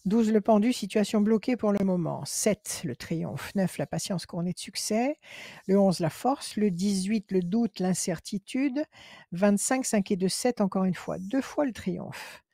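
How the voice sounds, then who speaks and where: A woman gives live psychic readings in short, sure statements. She repeats phrases to drive them home. Her pitch is average for a woman, and the sound is dry and close. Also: measured pace, mellow, dry recording. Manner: assertive, repeats phrases for emphasis. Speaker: psychic giving card readings to callers. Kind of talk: live consultation, short spoken pronouncements.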